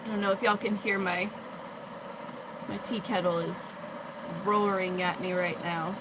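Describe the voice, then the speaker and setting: Slow-paced American woman, casual livestream chat. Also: medium pitch, steady tone, heavy background noise. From western Massachusetts, United States. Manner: chatty, reading and answering viewer comments. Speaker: livestream host, crocheter.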